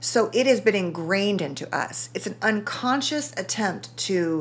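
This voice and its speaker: With a Southern US accent, a woman speaks in lively intonation. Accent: Southern US, growing stronger with age. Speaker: psychologist. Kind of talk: educational talk.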